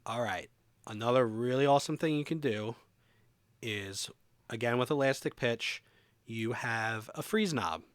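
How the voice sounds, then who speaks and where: A man giving a casual software walkthrough as a music production tutorial presenter, thinking aloud informally as he demonstrates. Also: medium pitch, a little slow, smooth, no echo.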